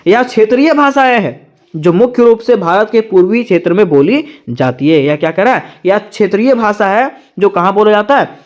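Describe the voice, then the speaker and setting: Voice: mid-range voice, expressive, fairly quick, lo-fi sound. Teacher, exam-prep lecture, reads notes aloud, asks the class a question, answers it, repeats key terms. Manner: reads from notes, then explains in plain words.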